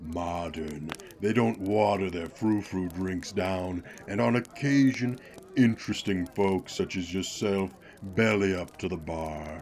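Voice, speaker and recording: Using a put-on character voice with a very deep, low pitch, a man speaks at a fairly slow pace over clear background noise. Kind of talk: audio drama narration.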